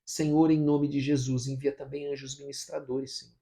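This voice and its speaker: A Brazilian pastor reading scripture and then leading a fervent morning prayer, full of repeated pleas. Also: male voice, medium pitch, little pitch movement, moderate pace, dark tone. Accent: Brazilian Portuguese.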